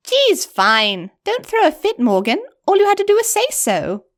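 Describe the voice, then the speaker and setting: Storybook pony filly, high-pitched and bossy, read by a woman. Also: huge pitch swings, moderate pace, no echo, full character voice. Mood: teasing.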